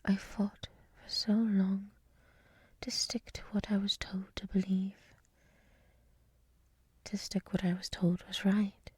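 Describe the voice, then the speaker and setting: Girl doing a gentle dryad librarian, super breathy asmr whisper, really slow and soothing, close mic. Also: mid-range voice, little pitch movement, dry recording. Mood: wistful, confiding. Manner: slow, soothing, hushed, reflective. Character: gentle soft-spoken female dryad head librarian. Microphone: close microphone.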